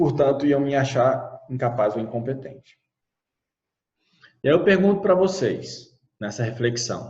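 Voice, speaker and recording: With vocal fry and lively intonation, the speaker goes at a fairly slow pace with long, frequent pauses. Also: man, medium pitch for a man. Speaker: stuttering coach and public speaking mentor. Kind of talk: online course lecture. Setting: video call. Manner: occasional small repetitions.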